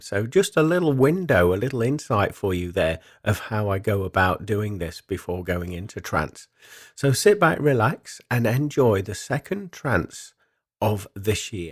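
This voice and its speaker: Heard in a very clean recording with a silent background, a man speaks in a normal speaking voice, fairly low in pitch, at a fairly slow pace with lively intonation. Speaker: spiritual medium and radio show host. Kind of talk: radio show host intro and commentary.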